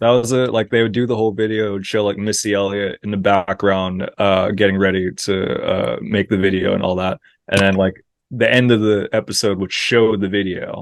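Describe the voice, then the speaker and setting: A man talks at a fairly quick pace in a fairly low voice. His intonation is flat and monotone. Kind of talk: casual podcast conversation.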